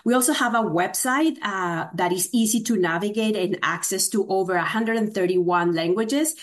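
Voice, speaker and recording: A woman with a Spanish accent gives a formal presentation to a commission, speaking in a measured way with frequent "uh" fillers. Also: medium pitch. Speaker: state agency program presenter.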